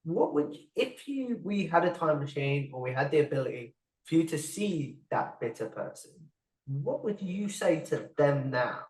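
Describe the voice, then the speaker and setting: Young male host, 20s, bright lively pitch; curious interviewer, off-mic in an echoey room. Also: moderate pace, recorded from a distance. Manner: curious, supportive listener. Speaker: podcast host. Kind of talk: interview questions.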